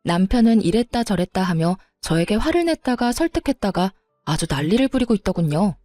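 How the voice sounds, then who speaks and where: A woman's voice: medium pitch, sing-song, brisk, mellow, no room sound, studio quality, soft background music. A woman telling her own story in the first person, cold and cutting as she confronts her husband.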